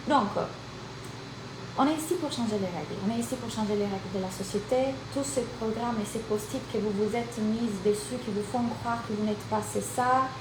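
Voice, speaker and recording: Speaking at a moderate pace in a fairly high voice, this Italian-accented woman from Italy coaches life and business, addressing her live-streamed masterclass audience with energy and directness. Echo and background noise fill the recording.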